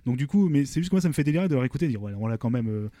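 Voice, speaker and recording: A man's voice: medium pitch, expressive, rapid-fire, warm tone, no room sound. A man hosting a casual music show, rambling with lots of fillers and frequent laughs. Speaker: show host presenting bands. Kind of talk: casual radio-style music chat.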